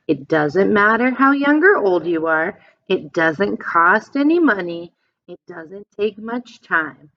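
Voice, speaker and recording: A woman reading a picture book aloud to young children in an expressive, teacherly way, with simple phrasing and asides to her listeners. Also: mid-range voice. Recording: dull, lo-fi sound.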